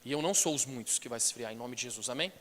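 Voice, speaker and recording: A Brazilian pastor preaching a lively sermon in church, joking with the crowd and bursting into shouts. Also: male voice, mid-range voice, rapid-fire. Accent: Brazilian Portuguese. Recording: long church hall reverb.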